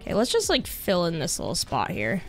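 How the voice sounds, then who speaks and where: Young woman game streamer, animated and talkative, voice a bit worn, light music underneath. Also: lowish voice, brisk. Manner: bubbly, chatty with viewers, excited outbursts. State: losing her voice. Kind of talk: casual gaming livestream chat. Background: soft background music.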